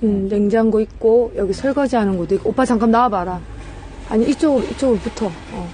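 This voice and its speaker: A woman's voice: a little high, fairly quick, warm tone, slight background noise. A woman co-hosting a camper tour, chatting casually as she points out its features. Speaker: co-host. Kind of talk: casual chat.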